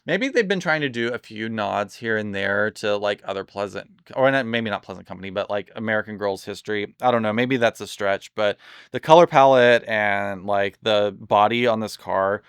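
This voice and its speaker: A man chatting casually and enthusiastically in a product review, rambling with lots of fillers, his voice slightly hoarse from overuse. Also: on the low side, moderate pace, fairly bright tone, dry recording, studio quality. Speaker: doll collector reviewing products.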